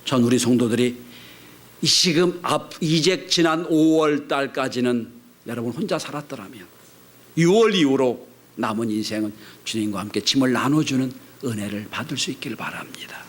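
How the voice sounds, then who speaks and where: A man preaching a Sunday sermon as pastor, swinging between loud cries and hushed, whispered lines. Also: medium pitch, moderate pace.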